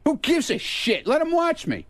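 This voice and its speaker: High-pitched, combative, animated man. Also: moderate pace, dry recording. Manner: combative, defensive, sarcastic, profane. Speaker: radio show staff member. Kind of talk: heated radio argument.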